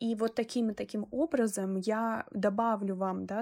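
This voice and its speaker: On a very clean recording with a silent background, a woman speaks at medium pitch with ordinary pitch variation in an ordinary speaking voice. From Russia, Arkhangelsk. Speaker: business psychologist and coach. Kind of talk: interview.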